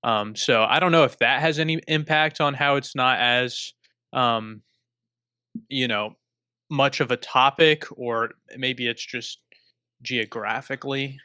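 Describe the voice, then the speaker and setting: A young man talks on a podcast in a bright, forceful voice with a crisp, smooth tone. He is self-deprecating and often restarts mid-sentence. The sound is dry and close on a remote call mic. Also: mid-range voice, a little slow, no room sound. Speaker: podcast co-host. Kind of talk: casual chat.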